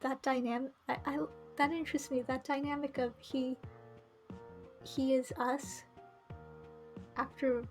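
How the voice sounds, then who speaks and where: A woman hosting a game livestream, chatting casually and thinking aloud in a musing, halting way. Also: high-pitched, level tone, soft background music. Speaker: livestream host playing a visual novel. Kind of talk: casual livestream commentary and chat.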